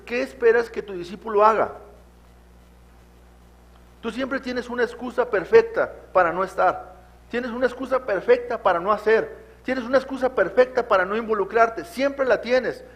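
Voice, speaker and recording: A man, a pastor, preaching a sermon to his congregation, exhorting them with frequent rhetorical questions. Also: high-pitched. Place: church.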